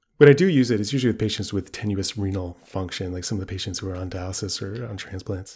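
A man with an American accent talks at a very fast pace with hardly any pauses. His voice is somewhat breathy and fairly low, with ordinary pitch variation. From United States. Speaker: abdominal radiologist. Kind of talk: interview. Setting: video call.

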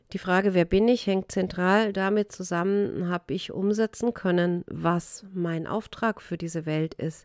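With a normal speaking voice at a medium pitch, a woman talks at a fairly slow pace with fairly even intonation and hardly any pauses, on a very clean recording with a silent background and a dry, close sound with no echo. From Württemberg, southwestern Germany. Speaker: podcast host, life coach. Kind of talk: reflective solo monologue.

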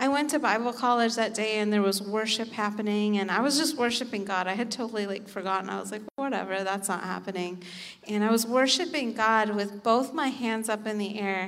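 A woman with an American accent, fairly high-pitched and fairly quick, with hardly any pauses, ordinary pitch variation and audible room echo. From Tampa, Florida. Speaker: preacher. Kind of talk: testimony.

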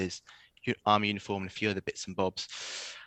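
In a slight East Anglian accent, the voice has a bright, sharp tone and a fairly quick pace. The sound is dry and close with no echo, over a quiet background. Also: man. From East Anglia, England. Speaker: watch brand founder. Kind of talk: casual chat. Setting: video call.

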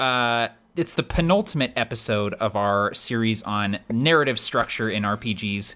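A man speaks at a moderate pace in an unremarkable speaking voice, his pitch medium. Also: ordinary pitch variation. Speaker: podcast co-host and YouTuber. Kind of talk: casual chat.

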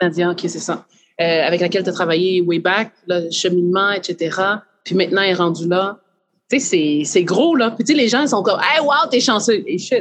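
A woman with lively intonation, very even loudness and a moderate pace. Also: medium pitch for a woman. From Quebec. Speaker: NLP coach. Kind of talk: casual interview chat.

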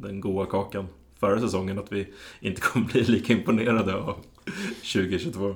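Here a man speaks at a moderate pace. His pitch is fairly low and his intonation monotone and flat. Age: 20s. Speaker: podcast co-host, small business owner. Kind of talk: casual chat.

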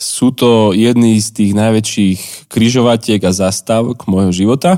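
The recording is very clean with a silent background. A man speaks at a fairly low pitch in a dark, mellow tone with fairly even intonation. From Slovakia, Levice. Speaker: pastor and physician. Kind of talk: casual chat. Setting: church prayer room.

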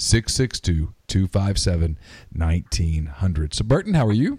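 A dark, mellow, somewhat breathy voice in a very clean recording with a silent background. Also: man. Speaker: podcast host. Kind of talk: casual interview. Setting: studio.

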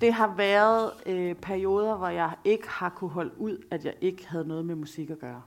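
A woman's unremarkable speaking voice, medium in pitch, with ordinary pitch variation, a moderate pace and hardly any pauses. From Denmark, West Jutland. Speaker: musician. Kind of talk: casual chat. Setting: stage with audience.

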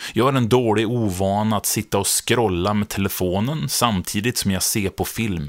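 In a very clean recording with a silent background, a man with a normal speaking voice talks at a fairly slow pace, his pitch fairly low and his pitch variation ordinary. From rural Sweden. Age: 30s. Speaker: writer and podcaster. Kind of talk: scripted narration.

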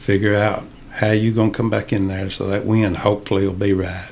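Flat, monotone speech in a Southern US accent moves at a moderate pace over noticeable background noise. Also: man. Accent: Southern US (Georgia). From US South, rural Georgia. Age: 60s. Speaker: local elder telling stories. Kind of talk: casual chat.

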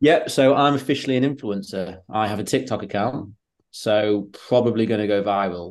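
A man talks at a fairly quick pace in an unremarkable speaking voice. His pitch sits fairly low, with ordinary variation. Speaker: podcast co-host and amateur runner. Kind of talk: casual chat. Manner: jokey, laughs often.

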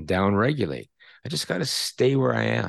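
A man with vocal fry speaks at a fairly quick pace in a very deep, low pitch. The background is quiet. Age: 60s. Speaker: retired psychology professor, procrastination researcher. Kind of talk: interview conversation. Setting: video call.

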